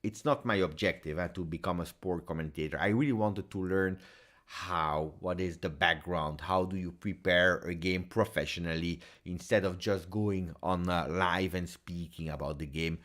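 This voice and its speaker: A man's voice: sits low, moderate pace. A man whose first language is French hosts a casual football recap, chatting passionately and with many fillers. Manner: animated, passionate, frequent fillers. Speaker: football video host.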